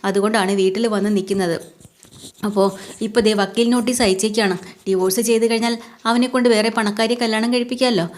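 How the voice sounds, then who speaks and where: A woman's voice: on the high side, steady tone, fast, lightly acted. Woman voicing a scheming, pushy mother. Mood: pleading. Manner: pushy and dramatic, wailing in fake distress. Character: scheming middle-aged mother, bold and manipulative.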